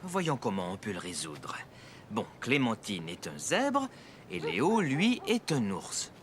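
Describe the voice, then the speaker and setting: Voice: mid-range voice, wildly swooping pitch, unhurried, a little hiss or hum. An actor voicing a kind, patient, good-humoured father in a French-language children's cartoon, reassuring and thinking aloud playfully. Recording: background music under the voice.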